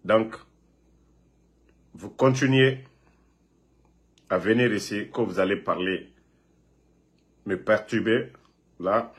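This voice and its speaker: A man's voice: lowish voice, slow, pauses often. A man from Guinea, ranting and scolding a rival on a live phone video, repeating himself. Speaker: political online commentator.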